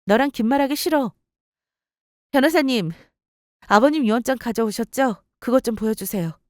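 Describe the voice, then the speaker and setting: A woman's voice: on the high side, normal speed, a little mellow, no echo, clean studio sound, close to an everyday voice. A woman playing a coolly mocking wife. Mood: cold. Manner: cool, mocking, composed. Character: calm, cutting wife who takes over company. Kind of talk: story radio role-play.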